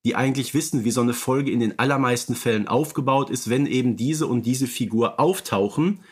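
A man's voice: medium pitch, fairly quick, breathy edge. A man co-hosting a casual fan podcast, thinking aloud, hedging his points and turning questions back to his partner. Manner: thoughtful, hedging with "ich sag mal", asks his co-host questions. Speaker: podcast co-host.

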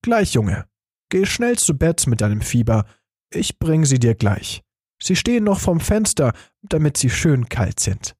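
A man's voice: on the high side, very animated, measured pace, darkish tone, breathy edge, no room sound, clean studio sound, heavily acted. A man voicing a hurt, helpless father who speaks soothingly and apologetically, in an audiobook reading. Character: injured father, gentle and helpless.

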